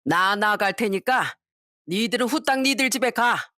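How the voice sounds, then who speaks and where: A woman's voice: medium pitch, expressive, a little slow, bright, forceful tone, dry recording. Bullying old father-in-law in a storybook reading, scolding and contemptuous, put on by a woman; dry close recording.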